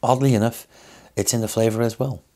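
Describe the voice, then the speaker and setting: A man in his thirties from Belgium with a Belgian accent, reviewing a beer in a small indoor studio, thoughtful and unhurried with many fillers. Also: medium pitch, fairly even intonation, dark tone. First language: Dutch.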